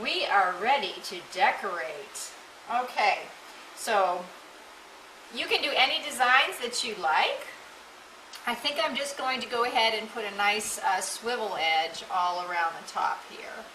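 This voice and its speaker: Lively intonation and big swings in loudness mark this woman's fairly high voice, which moves at a fairly slow pace with long, frequent pauses. Noticeable background noise and audible room echo come through. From New England. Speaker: cooking show host. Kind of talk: cooking tutorial. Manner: relaxed, conversational.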